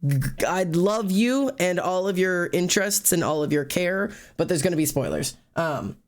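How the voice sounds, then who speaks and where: A man's voice: sits high, big pitch swings, moderate pace. Sniffly, chatty streamer man. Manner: chatty, greets and thanks chatters by name; loose, rambling with fillers and restarts. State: sniffly, stuffy nose. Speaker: livestream host. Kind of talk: casual live-stream chat while drawing.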